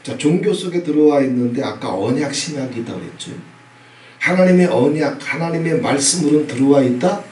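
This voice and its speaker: A middle-aged male pastor giving a sermon, emphatic and conversational, often prompting the congregation with short questions and sudden loud outbursts. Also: on the high side, lively intonation, fairly quick. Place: church sanctuary. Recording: echoey hall, from a distance, faint noise.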